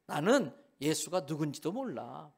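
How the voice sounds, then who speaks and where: A man's voice: on the high side, sing-song, a little slow, creaky, a little mellow, slightly rough, heavily acted. A man preaching, voicing a frightened adult disciple who emphatically insists and then denies in a church sanctuary. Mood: denying. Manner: emphatic, protesting.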